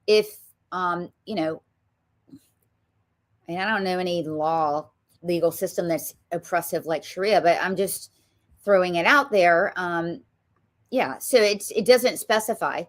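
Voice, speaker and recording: A woman's voice: lowish voice, a little slow, long pauses. Emphatic Southern woman hosting a talk show. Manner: emphatic, opinionated, with frequent ums. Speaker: show host. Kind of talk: political talk show chat.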